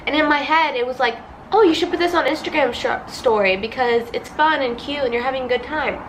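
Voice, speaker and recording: A woman's voice: fairly high pitch, a bit bright, a little hiss or hum, poor audio. Stuffy-nosed young woman vlogging. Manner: rambling, heavy use of "like", heartfelt. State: stuffy nose from a cold. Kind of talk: casual confessional vlog.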